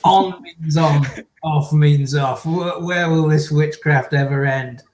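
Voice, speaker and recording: A man's voice: a little high, fairly even intonation, slow, a little mellow. A man trading casual comic banter as an improv comedian on an online call. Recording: roomy, echoing online call.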